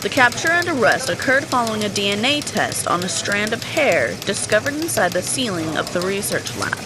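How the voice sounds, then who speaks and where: A woman's voice: medium pitch, very animated, normal speed, background noise, natural voice. A woman acting an earnest news reporter, giving a formal, emphatic breaking-news report in an audio drama. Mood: earnest, urgent.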